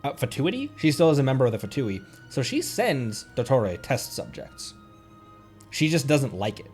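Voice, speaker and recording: Musing male streamer, lively pitch. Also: faint music behind. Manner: musing, halting, repeats and restarts phrases. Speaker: livestream host, VTuber. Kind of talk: casual game stream commentary.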